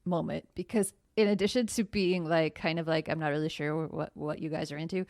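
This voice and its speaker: A woman's voice: low voice, steady tone, fairly quick, a little mellow, no echo, clean studio sound. A woman in her late thirties, a guest on a casual podcast chat, telling stories in a giggly, self-conscious way. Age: 30s.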